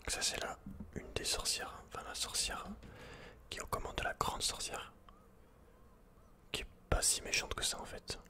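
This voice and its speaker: ASMR gaming host: French man, breathy bright whisper throughout, casual and intimate, talking straight to the listener. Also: normal speed, long pauses. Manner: intimate, addresses the listener informally.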